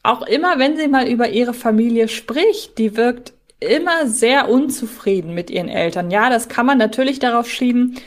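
A woman's voice: fairly high pitch, normal speed, few pauses. A woman co-hosting a podcast, thinking aloud in a casual, conversational way. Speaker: podcast co-host.

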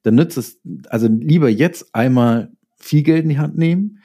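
A man's voice: a little high, normal speed, mellow. A man speaking as a guest in a casual interview, thinking aloud with repeated words and self-corrections.

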